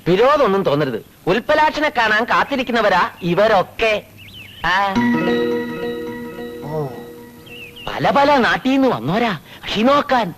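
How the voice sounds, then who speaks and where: A sly, fawning village healer. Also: male voice, high voice, sing-song, measured pace, pauses often, fairly bright tone, faint music behind, exaggerated voice. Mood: wheedling. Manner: fawning, wheedling. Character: sly gossiping village herbal healer man. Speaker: village herbal healer, assistant.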